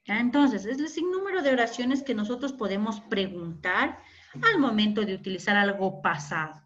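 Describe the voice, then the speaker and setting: A woman's voice: mid-range voice, expressive, fairly bright tone, dull audio. A woman teacher explaining English grammar in a patient lesson, regularly checking in with her students. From Ecuador. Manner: explains slowly, keeps asking ¿verdad? and ¿ya?.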